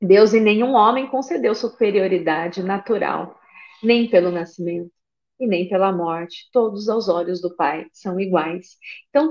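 A woman's voice: mid-range voice, a little mellow, lo-fi sound. A woman giving a spiritist religious lecture online, often checking in with tag questions, repeating phrases and reading passages aloud. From Brazil. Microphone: video call.

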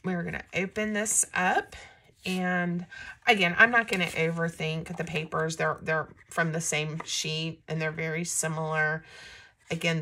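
A woman talking through a paper craft tutorial in a casual, chatty way, her voice a bit raspy from a coming cold. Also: low voice, pushed and bright, a little hiss or hum. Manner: chatty and self-deprecating, talks while working. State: slightly raspy from a starting cold. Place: crafting desk indoors, filmed from above.

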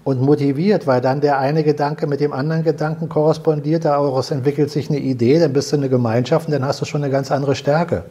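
Speaking quickly with hardly any pauses, an older man hosts a salon talk indoors by a living-room fireplace. His voice sits on the high side, steady, warm and a bit breathy, and he earnestly explains, repeating words as he searches for them.

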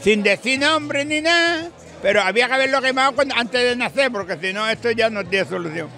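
With an extremely high pitch and lively intonation, an older man speaks briskly in a sharp tone and a strong Andalusian Spanish accent. It's a casual, rambling, emphatic outdoor interview at night on a beach bar terrace, recorded on the interviewer's handheld mic with faint music and crowd sounds behind.

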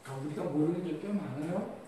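A man's voice: a little high, brisk. A male teacher giving a conversational lecture to other teachers and putting questions to a live audience. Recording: echoey hall, distant mic, faint noise.

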